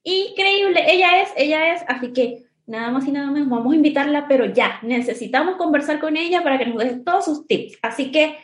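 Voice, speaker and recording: Casting: woman, distinctly high pitch, excitable co-host for casual interviews, effusive delivery. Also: fairly quick, few pauses. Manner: excitable, effusive, repeats words. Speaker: podcast host. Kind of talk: casual enthusiastic interview chat.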